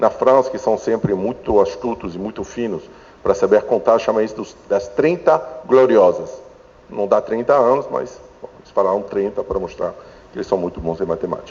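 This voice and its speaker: At a moderate pace, a man speaks with big swings in loudness over noticeable background noise. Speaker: economics professor. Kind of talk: academic panel talk. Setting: lecture hall panel with audience. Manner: halting, many fillers and repetitions.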